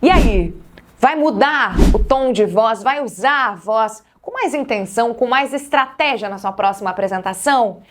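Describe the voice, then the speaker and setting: A woman with a Brazilian Portuguese accent teaches speaking skills as a voice coach. Her voice sits high, and she talks to the viewer directly, giving expressive instructions. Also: normal speed, noisy background. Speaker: voice and communication coach. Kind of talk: YouTube speaking-tips lesson.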